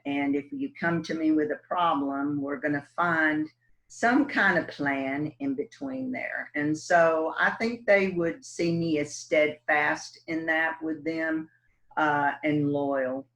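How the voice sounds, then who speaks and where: A woman with a West Texas twang, running for city council and telling her story. She takes her time, speaking slowly, and drops in plenty of ums and uhs. Her manner stays folksy and relaxed throughout. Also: sits low. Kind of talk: casual interview answers.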